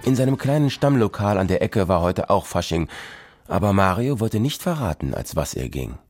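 A man narrates a children's story with lively, expressive reading. His voice sits somewhat low and swings widely in pitch. The sound is dry and close. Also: moderate pace, no echo, soft background music.

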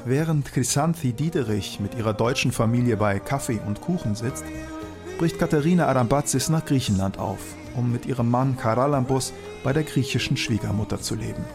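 A man from Germany narrating a radio documentary in a calm, reflective way. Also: mid-range voice, brisk, vocal fry. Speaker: author and narrator. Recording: narration over guitar music.

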